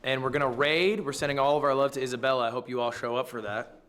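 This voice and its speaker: A man's voice: medium pitch, fairly even intonation, fast talker, fairly bright tone. A young man streaming casually, joking and swearing freely as he talks to his chat and plays a professor. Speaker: streamer playing a university professor.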